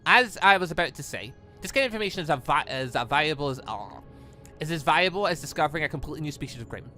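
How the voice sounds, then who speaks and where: A man voicing a composed academy professor in a visual novel, with a measured, formal way of speaking. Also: a little high, animated, sharp tone, soft background music. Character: composed academy professor briefing students on a mission.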